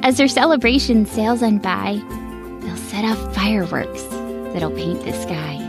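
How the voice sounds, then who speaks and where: A woman voicing an eager little girl fox in a storybook, excited and pleading. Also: mid-range voice, measured pace, music in the background, natural voice.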